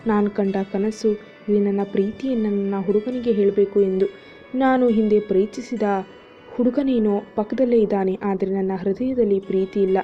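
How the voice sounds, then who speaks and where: A woman's voice: medium pitch, steady tone, moderate pace, natural voice. A woman voicing Sneha, a tipsy, hurt young woman. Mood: tearful. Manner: pleading, emotional. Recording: dull lo-fi audio with faint music.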